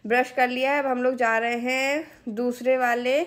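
Chatty woman vlogger, high voice. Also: flat delivery, moderate pace. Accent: Hindi. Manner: chatty, explains step by step to viewers. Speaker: family vlogger. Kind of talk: casual vlog narration.

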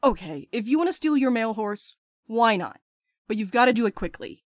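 A woman's voice: a little high, sing-song, normal speed, dry recording, studio quality. A woman playing a restless, blunt courier in an audio drama, urgent and sardonic, eager to escape. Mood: eager, teasing.

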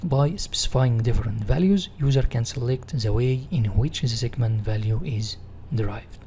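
Male instructor, Egyptian Arabic accent, mellow tone, explanatory tutorial read, some background noise. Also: mid-range voice, moderate pace. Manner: repeats and rephrases in non-native English. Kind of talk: software tutorial reading slides and explaining.

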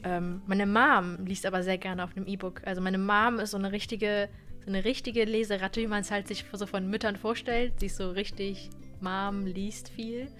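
A woman in her twenties streaming from her gaming room into a boom-arm studio mic, chatting casually and animatedly with viewers, often stumbling and repeating words. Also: level tone, moderate pace, fairly bright tone, faint music behind. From Germany. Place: gaming room with colored wall lights.

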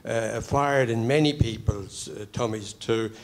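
A middle-aged man from Ireland speaking from the floor at a public convention, halting with many fillers, into a handheld microphone in a large conference hall. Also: medium pitch. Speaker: convention member. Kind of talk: floor comment at public meeting.

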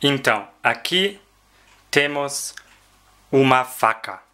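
Guy teaching words super slow, says each one over and over, bright clear voice. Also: mid-range voice, expressive, slight background noise. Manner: repeats each word slowly several times, carefully enunciated. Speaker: German language teacher. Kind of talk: slow, repetitive vocabulary lesson.

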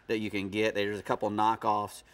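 A man's voice: on the low side, level tone, a little fast, a little hiss or hum. Middle-aged man rambling about fishing. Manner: rambling, restarts, folksy fishing talk. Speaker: fishing guest expert. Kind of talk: casual studio chat. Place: TV studio set.

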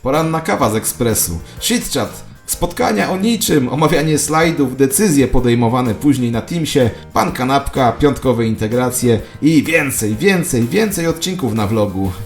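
A man's voice: mid-range voice, lively intonation, normal speed, hardly any pauses, voice pushed up, lightly acted. A man playing a paranoid, self-important conspiracy believer, telling his saga in a dramatic, confiding way as satirical audio drama narration. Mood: excited, smug. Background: music.

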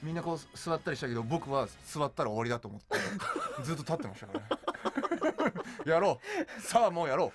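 Lively, quick-speaking male radio guest. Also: on the high side, soft background music. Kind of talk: casual chat. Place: radio studio. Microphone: studio boom mic, speaking through a face mask.

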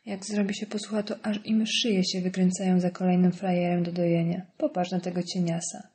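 A woman's voice: lowish voice, little pitch movement, fairly quick, darkish tone, natural voice. Woman reading as bitter cynical male inmate.

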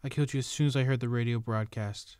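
An actor playing a tense, weary young hitman in an amateur radio drama, moving between hushed talk and shouting. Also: medium pitch, steady tone, quick pace, smooth, dry recording, close to an everyday voice. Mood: grim.

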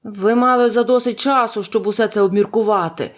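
A woman's voice: medium pitch, fairly even intonation, fairly quick, natural voice. A woman voicing a male tin woodman from a fairy tale, speaking angrily. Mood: angry. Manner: angry.

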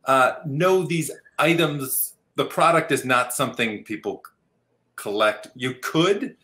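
Game show host, male, middle-aged, medium pitch with a crisp bright edge, running an online guessing game. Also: a little slow. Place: home room on a video call.

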